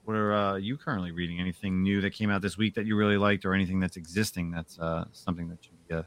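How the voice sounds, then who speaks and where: A man hosting a comic book podcast, telling a story in a casual, animated way. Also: low-pitched, fast talker. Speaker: podcast host. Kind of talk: casual chat.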